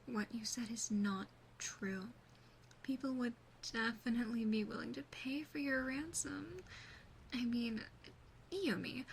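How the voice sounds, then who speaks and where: Woman acting a slow, whispering, doting demon sister. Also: fairly high pitch, creaky, slight background noise, poor audio. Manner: soft, soothing, teasing, deliberate whispering. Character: gentle, doting yandere demon big sister. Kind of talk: ASMR roleplay, mostly whispered. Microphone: close binaural ASMR microphone.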